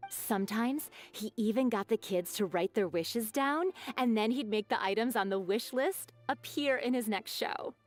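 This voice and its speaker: A woman's voice: on the high side, moderate pace, hardly any pauses, faint music behind, natural voice. A woman voicing a sassy, knowing townswoman in a video game, emphatic and gossipy.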